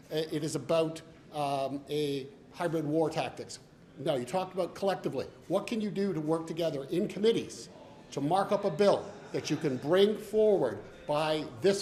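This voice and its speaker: A man putting a long, speech-like question at a press conference, earnest and rhetorical, with deliberate phrasing. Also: on the high side, a little mellow.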